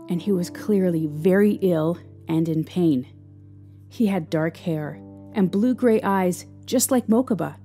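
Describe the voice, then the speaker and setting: A woman narrating a scripted audio drama in a measured, expressive, somber manner. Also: on the low side. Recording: music under the voice. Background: instrumental music.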